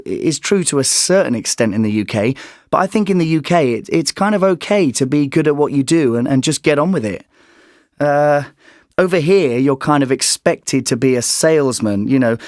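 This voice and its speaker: A man from Britain speaks in a relaxed way, hesitating with fillers. His pitch is mid-range. The recording is dry and close. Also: no echo. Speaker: interviewee in a listening exercise.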